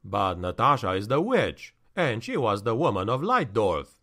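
A man reading a story aloud, voicing a stern male counselor who speaks in a low, steady, measured way. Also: full character voice.

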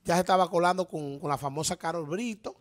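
A Dominican man in his thirties talks on a studio panel show in an animated, emphatic way, firing off rhetorical questions. His voice sits a little high, and he speaks into a desk microphone. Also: quick pace. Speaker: radio show co-host. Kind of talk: casual panel commentary. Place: TV-radio studio. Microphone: studio microphone on desk stand.

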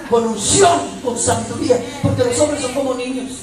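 A woman's voice: high voice, moderate pace, crowd noise. Woman preaching in an echoey church. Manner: emphatic, humorous, swings between hushed and shouted. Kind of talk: sermon. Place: church with congregation. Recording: echoey hall, distant mic. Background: congregation laughter and noise.

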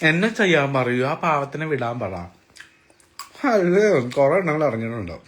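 A man's voice: on the high side, animated, normal speed, a bit bright. A young man chatting casually and teasingly to viewers on a live stream from an apartment, talking into a phone. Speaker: vlogger doing a live stream. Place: apartment indoors.

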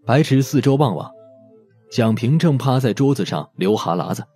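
Mellow, expressive male audiobook narrator. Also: medium pitch, moderate pace, breathy edge, faint music behind.

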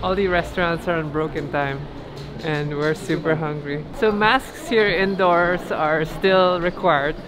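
A woman's voice: low-pitched, a little slow, a crowd in the background. A woman narrating a casual travel vlog on the go, upbeat and chatty, from airports, streets and a hotel room. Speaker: travel vlogger. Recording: noisy street ambience.

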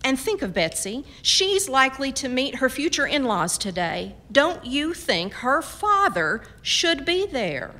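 An actress playing a firm, practical frontier mother in a radio drama, with a brisk, folksy, scolding manner. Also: high-pitched, very animated, sharp tone, exaggerated voice. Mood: pleading, exasperated.

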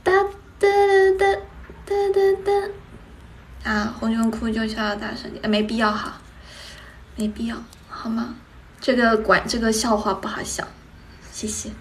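A woman's voice: on the high side, normal speed, slight background noise. A young woman hosting a casual livestream chat, telling stories with lots of laughing and sighing into a phone mic. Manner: lively storytelling, frequent laughing and sighing. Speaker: idol livestream host.

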